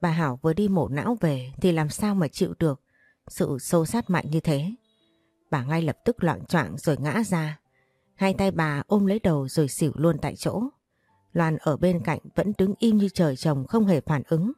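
A woman narrating a dramatic story in a steady, dramatic storytelling manner. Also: low voice, normal speed, husky, dry recording. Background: faint music.

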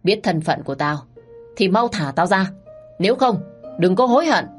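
A woman's voice: fairly low pitch, animated, normal speed, a bit bright, faint music behind. A woman voicing a proud, hot-tempered young master who talks in a commanding, threatening way. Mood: defiant.

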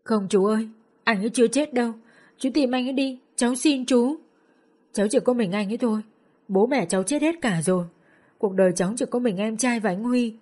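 Woman narrator playing a grief-stricken young woman, pitch climbing high as she begs. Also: fast, darkish tone, natural voice. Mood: pleading. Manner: begging, sobbing pleas. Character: grieving young woman, desperate and pleading.

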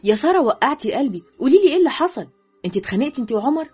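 A woman's voice: sits high, sing-song, very fast, dark tone, slightly rough, faint music behind, voice pushed up, full character voice. A woman voicing a worried, scolding middle-aged mother in Egyptian Arabic for an audiobook. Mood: alarmed. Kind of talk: audiobook character voice. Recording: dull, lo-fi audio.

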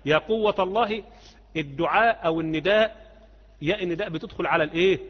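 A man's voice: sits high, fast. Egyptian man teaching in an echoing hall. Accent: Egyptian Arabic. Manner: conversational, asks students rhetorical questions. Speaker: Islamic creed teacher. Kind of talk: live religious lesson answering questions. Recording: muffled audio with long hall reverb.

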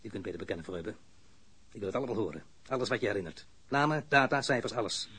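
An actor playing a stern, sarcastic police interrogator in an audio crime drama, probing formally and relentlessly. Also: male voice, fairly low pitch, animated, fast, a bit bright, slightly rough, full character voice. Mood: firm, controlled.

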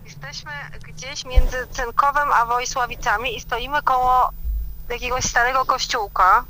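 A woman's voice: high voice, steady tone, moderate pace, sharp tone, a little hiss or hum. Woman calling in on speakerphone. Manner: hesitant, talks with fillers while traveling. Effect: phone call played on speakerphone. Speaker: caller reporting from a field trip. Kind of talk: casual phone report.

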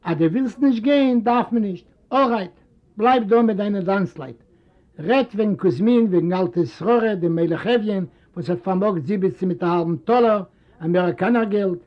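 A man's voice: high-pitched, moderate pace, natural voice. Man playing coaxing, self-important rich son. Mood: impatient. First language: Yiddish. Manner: coaxing then impatient, mixing in English words. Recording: dull lo-fi recording.

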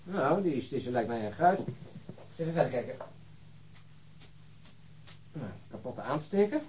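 A man's voice: medium pitch, sing-song, measured pace, darkish tone, a little hiss or hum, poor audio. An actor in a radio drama playing a wry, uneasy policeman with a dry, sardonic, muttering manner. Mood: dryly mocking. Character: wry, uneasy policeman searching a flat, Lennart. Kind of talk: naturalistic radio drama acting.

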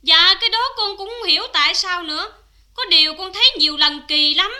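A woman's voice: extremely high pitch, brisk, bright, forceful tone, exaggerated voice. An actress playing a loyal young female servant who defends her mistress, in sung-spoken cải lương style. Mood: earnest.

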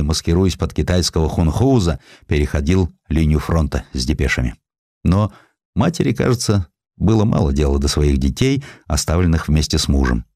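A man narrating a historical essay as an audiobook, in a dramatic, expressive storytelling manner. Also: deep voice, dry recording, studio quality.

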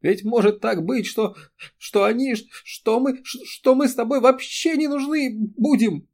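A man's voice: medium pitch, animated, vocal fry, warm tone, slightly rough. A male reader voicing a distressed young woman who falters and sobs as she pleads. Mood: tearful despair. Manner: pleading, halting, breaking into sobs. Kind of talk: audiobook character reading.

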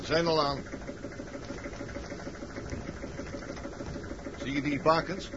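A man's voice: fairly high pitch, fairly even intonation, brisk, close to an everyday voice. An actor in a Dutch radio play playing a weary, reluctant man, a practical sailor with a curt way of talking. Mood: practical, watchful. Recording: dull, noisy old radio play recording.

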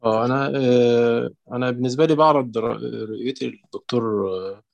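A man with an Egyptian accent calling in to an online lecture, setting out his view slowly through many fillers and restarts. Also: medium pitch, fairly even intonation, vocal fry, no echo, lo-fi sound. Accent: Egyptian Arabic. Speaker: caller. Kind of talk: call-in question on an online lecture.

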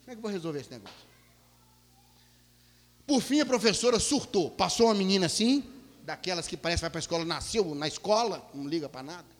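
A male pastor telling a story in a sermon, animated, swinging from loud bursts to hushed low tones. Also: fast talker, long pauses. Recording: long hall reverb.

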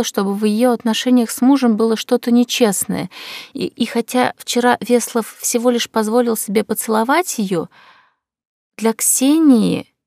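A woman narrating an audiobook in a measured, expressive reading. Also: a little high, no room sound. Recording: dry close recording.

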